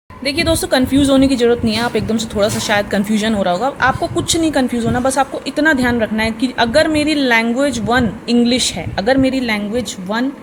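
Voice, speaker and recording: A woman's voice: a little high, noisy background. A woman teacher explaining an exam answer sheet step by step, repeating key points patiently and addressing viewers as friends. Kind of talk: explanatory tutorial lesson.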